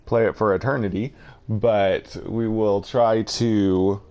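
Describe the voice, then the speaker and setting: A man's voice: on the low side, steady tone, slow pace, a little mellow. A man hosting a gameplay video with casual commentary, rambling a little as he thinks aloud.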